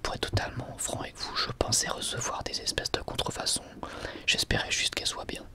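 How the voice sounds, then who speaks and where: Whispering Frenchman, ASMR style. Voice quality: breathy, unvoiced whisper. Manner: hesitant, halting, wryly sarcastic. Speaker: ASMR video host. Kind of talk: whispered ASMR product review.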